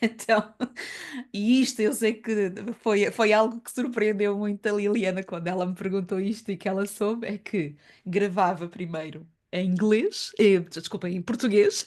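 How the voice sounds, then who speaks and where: A woman speaks fairly slowly in a medium-pitched voice with a French accent. Her intonation stays fairly even while her loudness swings widely. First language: French (speaking Portuguese). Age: 50s. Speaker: podcaster and therapist. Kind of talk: conference talk. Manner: hesitant, many fillers.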